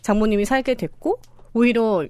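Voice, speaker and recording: A woman's voice: a little high, normal speed, a little mellow, clean tone. A woman on a panel podcast in a studio, giving frank advice about family and marriage. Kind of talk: casual panel podcast chat.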